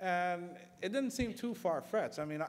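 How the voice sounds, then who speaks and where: A man's intonation is lively as he talks at a moderate pace. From Miami, Florida (born in Jamaica). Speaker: aviator and educator. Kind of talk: motivational talk. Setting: stage with audience. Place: hall. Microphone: podium.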